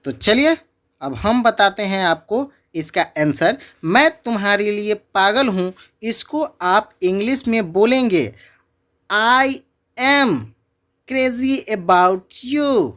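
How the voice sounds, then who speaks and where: A man runs a relaxed online English class. He speaks in a chatty, coaxing way and stretches out each example phrase slowly so viewers can repeat it. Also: high-pitched. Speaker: English tutor. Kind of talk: casual online teaching.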